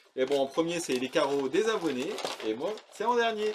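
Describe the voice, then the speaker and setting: A man talks at a fairly quick pace with very wide pitch swings. Noticeable background noise sits behind him. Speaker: RC car body painter, youtuber. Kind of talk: casual show-and-tell tutorial. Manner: animated.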